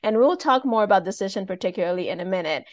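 A woman's voice: mid-range voice, animated, quick pace, darkish tone, dry recording. A woman hosting an interview, engaged and encouraging, who answers her guest with short affirmations and poses longer questions. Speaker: podcast host.

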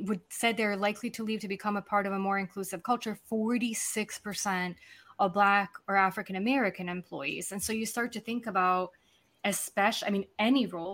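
A woman in her forties, originally from Serbia, talking casually about workplace culture as a podcast guest, animated and quick to laugh, with lots of fillers. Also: medium pitch. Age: 40s. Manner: animated storyteller, laughs easily, many fillers. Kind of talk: conversational business talk.

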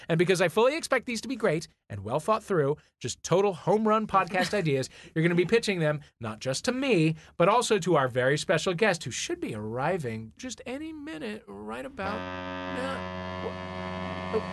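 A man hosting a comedy game show with big, showy announcements. His voice sits a bit high and swings lively up and down, and the sound is close and dry. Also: no echo. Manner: playful, theatrical announcing. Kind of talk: comic live podcast game show.

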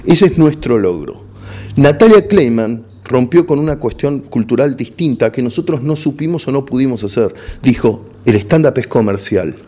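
Mellow-voiced Argentine comedian, frank and halting. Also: male voice, medium pitch, animated. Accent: Argentine Spanish. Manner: frank, repeats words and restarts while searching for words. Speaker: stand-up comedian guest. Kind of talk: casual interview chat.

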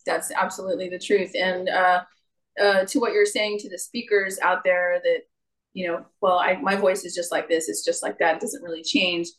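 A middle-aged woman, a singer and vocal coach, talking as an interview guest in an animated way and sometimes jumping into higher playful voices to show a point. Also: moderate pace, rough recording. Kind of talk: conversational interview.

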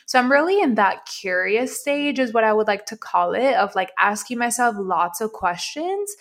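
A woman's voice: on the high side, animated, moderate pace, a bit bright. A young woman co-hosts a casual chat podcast. She is from Venezuela and talks in a reflective, thinking-aloud way as she works things out. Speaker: podcast co-host.

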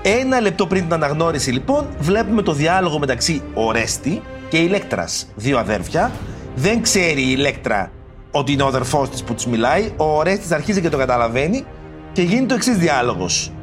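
Soft music plays behind a man with a sing-song voice on the high side as he hosts a podcast on ancient tragedy. He relates the tales as a casual storytelling lesson, slipping in slangy, mock-indignant comments and delivering verse quotes in theatrical voices.

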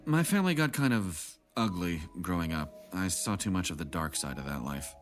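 A man's voice: sits low, lively intonation, moderate pace. A man playing a jaded, guarded middle-aged man in an audio drama, with wry, reflective delivery. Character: jaded, guarded older man, bitter about his family. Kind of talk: naturalistic audio drama acting. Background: background music.

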